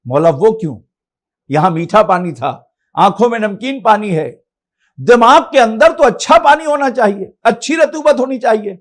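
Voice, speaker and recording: A man's voice: high-pitched, lively intonation. A man with an Indian Urdu accent preaching a memorial majlis sermon, addressing the congregation directly in rising and falling oratory. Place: studio.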